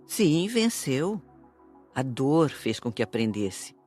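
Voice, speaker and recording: A woman playing a calm, serious spirit teacher in an audiobook, speaking in a measured, didactic way. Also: extremely low pitch, faint music behind, full character voice. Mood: reassuring. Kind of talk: audiobook dialogue.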